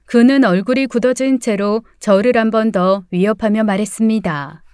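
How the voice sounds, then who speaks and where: A woman narrating a first-person audiobook story in a steady, calm way. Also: medium pitch, moderate pace, clear, resonant tone, no echo, studio quality.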